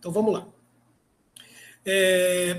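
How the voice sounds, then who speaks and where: Audible room echo surrounds a man speaking at a very slow pace in a high pitch. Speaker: university lecturer. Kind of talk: online class lecture.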